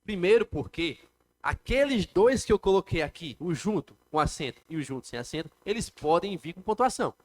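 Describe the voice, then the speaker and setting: Brazilian male teacher, fairly high voice, live classroom lecture, explains step by step and quizzes the class. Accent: Brazilian Portuguese. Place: classroom with students.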